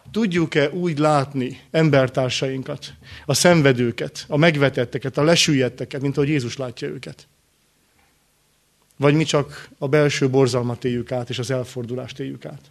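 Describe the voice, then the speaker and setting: A man preaching a sermon in short, earnest phrases with rhetorical questions and pauses. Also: medium pitch, steady tone.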